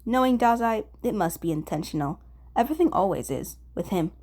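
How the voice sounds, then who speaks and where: A woman reading fan fiction aloud as an expressive audiobook narrator, at a medium pitch. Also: brisk.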